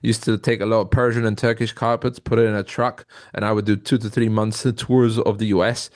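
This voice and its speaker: A man with a fairly low voice talks as a guest in a conversational interview. He explains things earnestly, telling stories and making his case, and often tags his points with a quick questioning "right?". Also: level tone, a little mellow. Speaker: interview guest, tech company founder.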